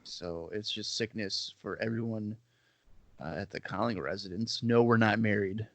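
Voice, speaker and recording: A man's voice: on the low side, steady tone, normal speed, a bit bright, slight background noise. A man hosting a podcast, talking in an easygoing, joking way with a stuffy head cold, on his own microphone over an internet call. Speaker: podcast host. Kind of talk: casual chat.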